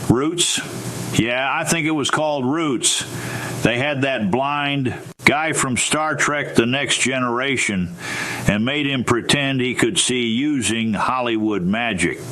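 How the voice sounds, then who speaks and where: A man calling in to a live stream, teasing the host in a deadpan, mock-earnest way. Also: mid-range voice, slow pace. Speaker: call-in prankster.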